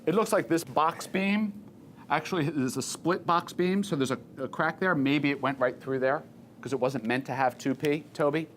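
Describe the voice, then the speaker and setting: An American man teaching an engineering class informally, asking students quick questions and repeating their answers. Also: a little high, fairly bright tone, a little hiss or hum.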